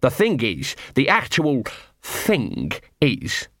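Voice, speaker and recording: A scruffy little talking dog, put on by a male reader, nervous and streetwise. He rambles in circles with cheerfully broken grammar, voice pitched a little up. Dry, close storybook sound. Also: wildly swooping pitch, slow pace, a bit bright, no room sound, full character voice. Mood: rambling, nervous. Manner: rambling, ungrammatical, wheedling.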